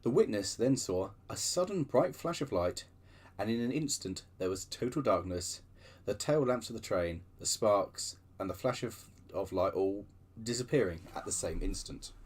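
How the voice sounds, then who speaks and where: A man's voice: fairly low pitch, normal speed, husky. A man hosting his own channel, reading railway book extracts aloud with chatty asides. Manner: lively storytelling with chatty digressions.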